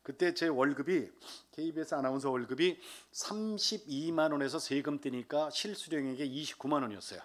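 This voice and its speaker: A man's voice: a little high, brisk, hardly any pauses. A man in his sixties from Seoul giving a humorous church testimony, telling the story with life and acting out the voices of others. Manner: lively storyteller, acts out quoted voices. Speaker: lay deacon giving testimony. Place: church service.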